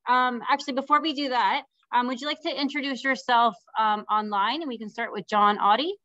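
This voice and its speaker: Woman chairing a meeting, highish voice, kinda dull dry audio. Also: fairly even intonation, brisk, sharp tone, dry recording. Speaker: meeting facilitator. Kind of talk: procedural meeting talk, partly read out. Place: meeting room, hybrid video call.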